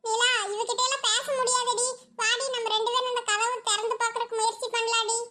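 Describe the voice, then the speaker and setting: A woman's voice: very high-pitched, level tone, fairly quick, pushed and bright. A woman voicing a frightened, bossy elder sister in a village cartoon. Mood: scolding. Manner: scolding, panicky, calls everyone "di". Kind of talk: cartoon voice acting.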